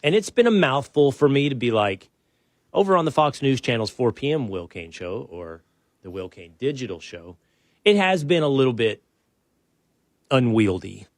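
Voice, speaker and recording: A middle-aged man opens his show with loose, easygoing chatter, circling back on himself and cracking small jokes at his own expense. His voice sits at an ordinary male pitch. The sound is close and dry, with no room around it. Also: normal speed, no room sound. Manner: relaxed and rambling, with frequent restarts and self-deprecating asides. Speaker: podcast host. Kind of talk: casual show-opening chat.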